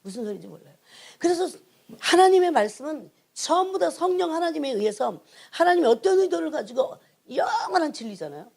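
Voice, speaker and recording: A middle-aged woman, an evangelist, preaching an emphatic sermon that keeps prodding her listeners and drops to hushed asides. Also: extremely high pitch, expressive, a little fast, vocal fry. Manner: emphatic, prods the congregation with repeated "예?"; swings between raised emphasis and hushed asides. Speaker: church evangelist, prayer team leader.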